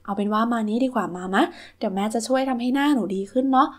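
A woman's voice: fairly high pitch, racing, lightly acted. A woman voicing a caring, reassuring mother in a children's toy story, coaxing and soothing. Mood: soothing, encouraging.

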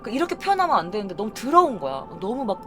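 Animated young Korean-speaking woman storyteller. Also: on the high side, rapid-fire, noisy background. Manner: emotional, animated, acts out her own quoted lines. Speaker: streamer telling personal stories. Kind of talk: casual storytelling chat. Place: home streaming room.

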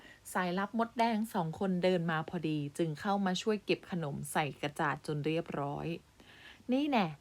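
Woman, primary teacher, low-ish voice, reads a story to young pupils and explains words, patient. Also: a little fast. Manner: patient, addresses pupils directly with polite particles. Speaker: primary school Thai teacher.

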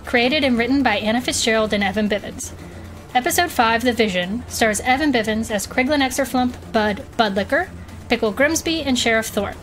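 A woman announcing the credits of an audio drama in an even, scripted way. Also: on the high side, fairly quick, soft background music.

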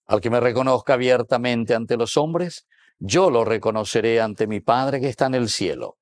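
A man's voice: mid-range voice, normal speed, no room sound. A man in his fifties with a Paraguayan accent, preaching as a Catholic priest. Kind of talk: sermon with scripture reading. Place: small indoor wood-panelled chapel. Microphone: lapel mic.

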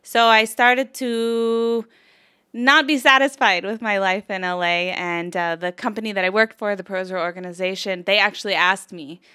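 A woman's voice: mid-range voice, fairly even intonation, normal speed, pushed and bright, smooth. An American woman in her thirties, an interview guest casually telling personal stories. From Los Angeles, United States. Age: 30s. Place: small home-style studio, indoors. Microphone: close handheld microphone.

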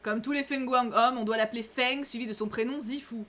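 A woman's voice: a little high, steady tone, brisk, a bit bright, natural voice. A woman voicing a curt, haughty young fantasy man in a story game, in a dry, dismissive way.

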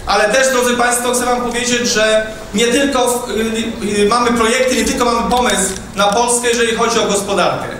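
Young man with a very high voice giving a fiery rally speech. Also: steady tone, brisk, fairly bright tone, far from the mic, a little hiss or hum. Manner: rousing, direct address to the crowd. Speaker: politician warming up a rally. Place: hall with audience. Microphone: podium microphone, far camera. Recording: echoey hall, heard from afar.

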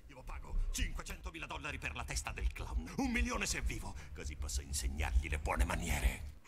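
A man's voice: medium pitch, expressive, fairly quick, vocal fry, noisy background. A man voicing a hostile, scornful mobster in a film dub, curt and threatening.

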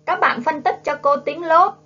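A primary school teacher with a Southern Vietnamese accent coaxes young children through a phonics lesson, urging them to repeat after her. Her high voice is sharp in tone, fairly even in intonation, and moves at a normal speed. The classroom video audio is dull and lo-fi.

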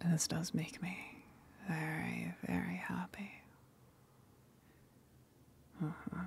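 A woman voicing a gentle, shy, affectionate tentacle monster in an ASMR roleplay, in a breathy whisper with a hesitant, apologetic manner. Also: deep voice, full character voice. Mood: tender, content. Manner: hesitant, apologetic, soft giggles between halting phrases.

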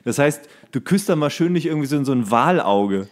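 A man's voice: medium pitch, expressive, fairly quick. A man chatting as a comedy podcast co-host, joking and playing puzzled. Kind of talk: casual comic banter.

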